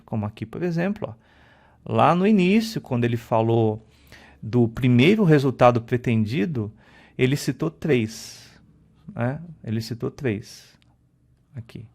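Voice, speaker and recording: A male instructor teaching a recorded video lesson at a slide, in a conversational way, often checking in with a quick "tá?". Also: medium pitch, darkish tone. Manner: explains at a slide, often ends phrases with a checking "tá?"; conversational, with filler "é" and restarts. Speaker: IT exam-prep instructor.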